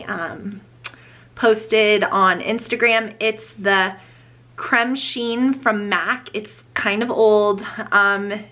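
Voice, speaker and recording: Young woman, beauty vlogger with a head cold; nasal, bright tone, relaxed chatty delivery. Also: mid-range voice. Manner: chatty, explaining steps with fillers. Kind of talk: casual get-ready-with-me chat.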